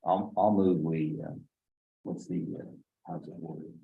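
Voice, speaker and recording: Low gravelly guy asking questions at a county meeting, unsure how to word things. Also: steady tone, a little slow. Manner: questioning, hesitant phrasing. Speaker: county commissioner. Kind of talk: public board meeting. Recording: tinny phone-like audio.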